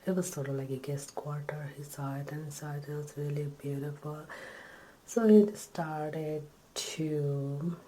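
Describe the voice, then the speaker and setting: A woman telling a story in ASMR style, in a breathy whisper, halting between short phrases. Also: low-pitched, fairly even intonation, mellow.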